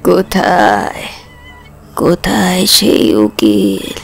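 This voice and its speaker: A woman playing an eerie ghostly widow, the imperious and expectant mistress of a haunted house in an animated horror story. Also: lowish voice, very slow, gravelly, slightly rough, faint music behind, heavily acted. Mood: eager.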